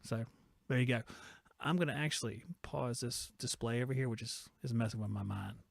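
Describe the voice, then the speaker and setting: A man's voice: medium pitch, brisk, gravelly, no room sound, studio quality. A man in his forties hosting a live-streamed podcast from his workshop, rambling and joking as he reads viewer chat aloud. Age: 40s. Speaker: host of a live-streamed shop talk podcast.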